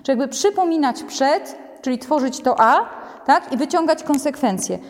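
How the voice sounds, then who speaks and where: Lively woman lecturing in a reverberant hall. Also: high voice, normal speed. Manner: conversational, ends many sentences with a checking "nie?"; animated, acts out quotes. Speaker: lecturer on child behavior. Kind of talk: lecture to a group.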